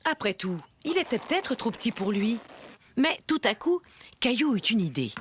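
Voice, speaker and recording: A woman playing a kindly storyteller, narrating a children's cartoon tale in a gentle, expressive manner. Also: fairly high pitch, moderate pace, a little hiss or hum.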